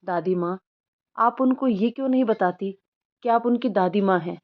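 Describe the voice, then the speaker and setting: A woman's voice: medium pitch, normal speed, phone-quality sound, natural voice. A woman voicing a clever young woman who politely persuades an old grandmother into a plan, in a storybook reading. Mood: persuasive.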